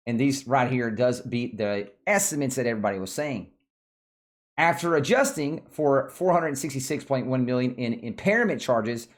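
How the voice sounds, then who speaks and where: A man hosting casual stock market commentary in an informal, opinionated, colloquial way. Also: medium pitch. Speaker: stock video host.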